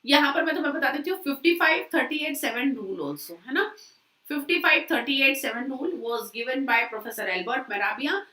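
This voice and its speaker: A woman's voice: sits high, animated, normal speed, bright, forceful tone. An Indian woman teacher giving a live online revision lecture, switching between Hindi and English, often checking in with students and drawing out key words for emphasis. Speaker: commerce exam teacher. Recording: echoey, from a distance.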